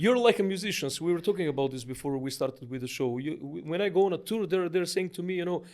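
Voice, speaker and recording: A high-pitched man with a Macedonian accent, very fast and lively in intonation, hardly any pauses. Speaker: podcast host and musician. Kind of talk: casual interview. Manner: halting.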